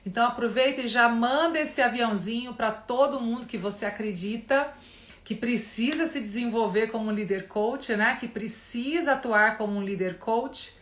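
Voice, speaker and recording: A woman's voice: on the high side, fairly bright tone. A woman hosting a casual live stream, chatty and addressing viewers directly. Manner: chatty, fillers like né, talks to audience.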